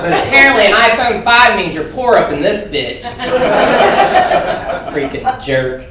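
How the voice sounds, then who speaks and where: A man from Alabama with a Southern accent, doing a punchy stand-up comedy set to a crowd with loud bursts. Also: high voice, expressive, a little fast. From Alabama, USA. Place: comedy theater stage. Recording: echoey theater recorded from far off, noisy.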